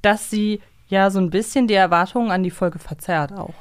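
A woman's voice: medium pitch, brisk. A woman co-hosting a casual podcast discussion, speaking reflectively and weighing her opinions. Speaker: podcast co-host.

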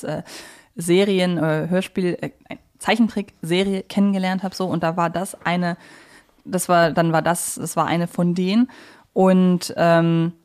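A woman's voice: fairly low pitch, darkish tone. A woman chatting casually as a podcast co-host, often correcting herself as she talks. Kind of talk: casual podcast chat about audio drama characters.

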